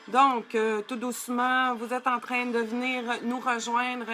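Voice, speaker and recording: A woman's voice: fairly high pitch, flat delivery, unhurried, pushed and bright, soft background music. A middle-aged woman, giving a live-streamed coaching talk in a chatty way, greeting viewers by name and using many fillers. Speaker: life coach.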